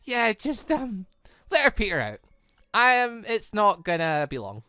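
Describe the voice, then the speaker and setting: An excitable, rambling gaming channel host giving casual let's play commentary, prone to breaking into laughter, on a close mic. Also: medium pitch, a little slow, no echo.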